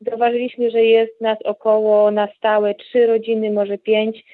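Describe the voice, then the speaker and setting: A woman phones in to a radio show, her voice sitting a little high and squeezed through a tinny, phone-like line with no room sound around it. She speaks haltingly, stopping often with hesitation sounds as she lays out her request. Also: completely flat delivery, no echo. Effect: radio show caller on a phone line. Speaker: caller to a radio program. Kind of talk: phoned-in appeal.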